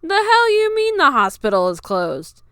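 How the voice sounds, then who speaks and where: Woman voicing an angry young man, high and harsh. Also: huge pitch swings, normal speed, no room sound, studio quality, exaggerated voice. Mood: furious. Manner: loud, harsh, confrontational. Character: angry, foul-mouthed, short-tempered young man.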